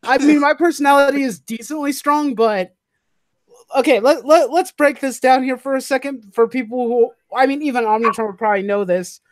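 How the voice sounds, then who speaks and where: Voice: sits high, a little fast, no echo. A streamer hosting a casual chat, telling anecdotes and laughing often. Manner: chatty storytelling, laughs often. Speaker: streamer host.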